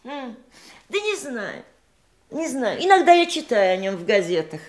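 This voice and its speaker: A woman's voice: a little high, very animated, normal speed. An actress in a Soviet audio drama playing an evasive, prickly woman, by turns hesitant and curt. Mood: reflective, evasive. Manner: hesitant, then curt and tart. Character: evasive, prickly woman guarding memories of past lovers.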